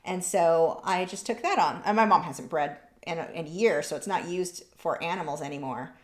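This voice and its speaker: A woman's voice: fairly low pitch, normal speed, reverberant. A woman running a live painting lesson, chatting casually and reading out viewers' comments as she works. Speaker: art instructor. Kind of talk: live painting tutorial with chat.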